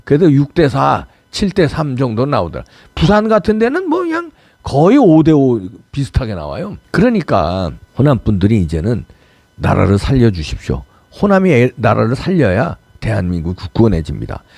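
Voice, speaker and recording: Brief: middle-aged male commentary host, fiery and pleading, pitch swings wildly, dry close sound. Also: huge pitch swings, moderate pace, vocal fry, darkish tone, no room sound. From Seoul, South Korea. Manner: impassioned, pleading and scolding, mocking impressions. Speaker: political commentary channel host. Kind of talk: fiery political commentary monologue.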